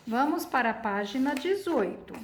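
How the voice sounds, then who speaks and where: A woman's voice: high voice, expressive, moderate pace, roomy sound, a little hiss or hum. A Brazilian woman teaching a primary school lesson, patiently asking questions and stretching key words. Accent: Brazilian Portuguese. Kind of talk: recorded lesson for children.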